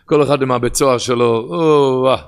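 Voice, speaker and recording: A man with an Ashkenazi Hebrew pronunciation giving a sermon in a sing-song study cadence that swings between loud and hushed. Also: mid-range voice, creaky, clear, resonant tone.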